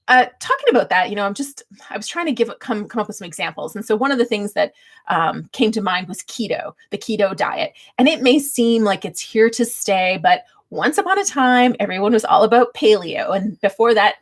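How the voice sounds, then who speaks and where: A woman speaks at a middling pitch in a casual, informal way. She hosts a livestream, chatting to viewers and offering advice, and she is quick to laugh. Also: animated. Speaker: livestream host.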